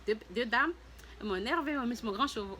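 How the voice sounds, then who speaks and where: A woman vlogger telling her personal story to viewers in a casual, halting way, often repeating words and restarting her sentences. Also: fairly high pitch, a little hiss or hum. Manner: voices other people's lines in a raised, lively tone.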